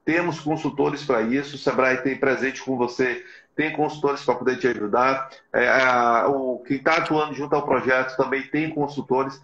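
A man's voice: medium pitch, steady tone, moderate pace, a bit bright. Echoey middle-aged man, earnestly exhorting. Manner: earnest, exhorting, frequently adds tag questions. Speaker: live stream host for a business support agency. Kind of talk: motivational live webinar talk. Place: small plain room indoors. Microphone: video call, device in front of him. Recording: echoey, slightly dull video call audio.

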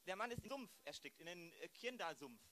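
A man's voice: sits high, very animated, brisk, pushed and bright, exaggerated voice. A man playing an agitated, impatient police chief in an improvised radio play, blustering and stumbling over his words.

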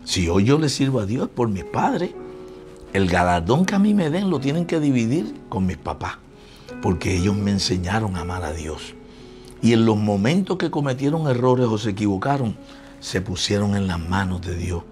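A man's voice: on the low side, sing-song, normal speed, a little mellow, soft background music. A middle-aged man with a Puerto Rican accent preaching a sermon in a conversational way, acting out talks with his family. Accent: Puerto Rican Spanish. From Puerto Rico. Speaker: pastor.

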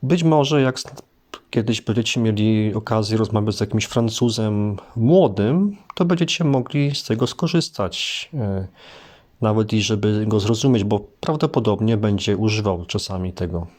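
A man's voice: fairly low pitch, moderate pace, darkish tone. A man teaching French vocabulary in a casual spoken lesson, explaining things unhurriedly with hesitant fillers.

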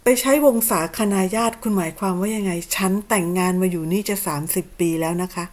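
A woman's voice: mid-range voice, quick pace, darkish tone. A woman in her fifties from Thailand, hosting her channel with sarcastic, indignant rebuttals. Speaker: channel host. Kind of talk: combative commentary on clips.

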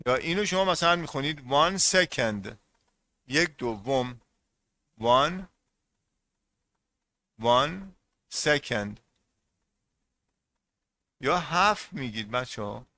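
A man teaching a classroom lesson in a bright, forceful voice. He goes over each term more than once and keeps turning to the class with questions. His pitch sits in a middle range. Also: no room sound. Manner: repeats terms and quizzes the class. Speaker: English teacher.

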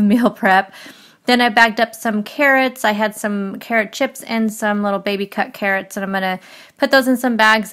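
A woman's voice: medium pitch, a bit bright. Chatty woman narrating kitchen steps. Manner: chatty, step-by-step explaining. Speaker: meal prep vlogger. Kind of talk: casual voice-over narration. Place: home kitchen.

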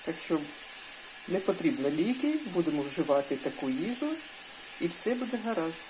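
A woman narrating a casual cooking vlog from her home kitchen, thinking aloud step by step at an unhurried pace. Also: on the low side, very animated. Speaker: home cook, channel host. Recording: kitchen cooking noise behind voice. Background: sizzling frying pan.

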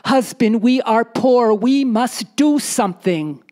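A poor desert wife, anxious and insistent, as a woman storyteller puts her on. Her voice climbs high and pleading, stressing each plea slowly. She keeps calling out to her husband with mounting urgency. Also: expressive, mellow. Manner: pleading, repeating "husband" with rising intensity.

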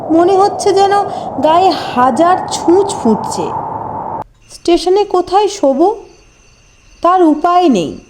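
A woman reading a scripted first-person horror story as narrator, with dramatic, deliberate phrasing and short pauses. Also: high-pitched, darkish tone.

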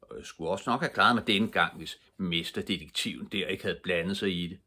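A man's voice: deep voice, sharp tone, breathy edge, full character voice. An older man as a sulky, bitter crooked uncle. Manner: sullen and bitter.

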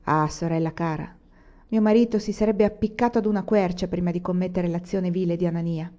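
Grieving widow, bitter and quiet, read by a woman, dull lo-fi recording. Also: fairly low pitch, fairly even intonation, brisk, lightly acted.

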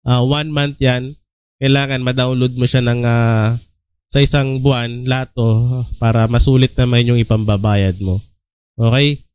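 Filipino man, smooth and dry. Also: mid-range voice, normal speed, dry recording. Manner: relaxed, many filler "ah" and "okay?" check-ins. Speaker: design tutorial host. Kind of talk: casual screen-recorded tutorial.

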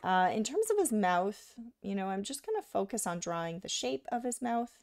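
A woman giving a live drawing lesson, talking casually while she sketches and often checking in with "right?", a little hoarse from being sick. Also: medium pitch, sing-song, moderate pace, darkish tone, no echo. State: slightly hoarse from illness. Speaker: art instructor.

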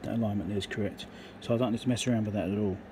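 A new male speaker with a low voice and fairly even intonation races through his words while presenting an electronics repair video. He thinks aloud in short, matter-of-fact fragments as casual, unscripted commentary at an indoor electronics workbench, captured in a noisy workshop recording.

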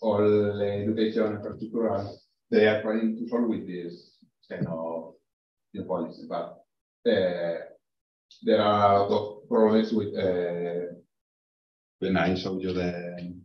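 Slow, halting man presenting research. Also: fairly low pitch, level tone, a little hiss or hum. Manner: halting, hesitant, many fillers. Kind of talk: academic presentation and answers. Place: lecture room. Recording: echoey, distant, dull room recording.

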